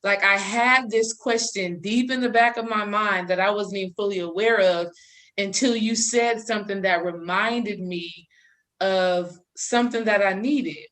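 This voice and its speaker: A woman with a medium-pitched voice. She speaks in a casual, conversational way, like a guest chatting on a spiritual talk show. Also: unhurried, fairly bright tone.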